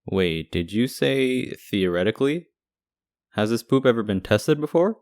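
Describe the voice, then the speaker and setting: A man's voice: on the low side, lively intonation, measured pace, a little mellow, dry recording, studio quality. A man playing a devoted, protective boyfriend in an ASMR audio roleplay, talking casually and conversationally. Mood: wary, concerned.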